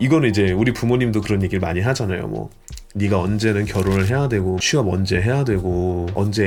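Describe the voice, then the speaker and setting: Over music in the background, a man speaks at a fairly quick pace with a fairly low pitch. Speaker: VTuber radio streamer. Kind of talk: casual radio-style talk.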